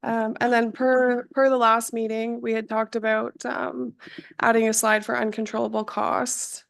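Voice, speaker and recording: A woman speaking in a slightly high but gravelly voice, hoarse from being sick, walks through budget slides at a public council meeting. She is halting and apologetic, with many ums between points. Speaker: municipal finance staff presenting budget. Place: council chamber.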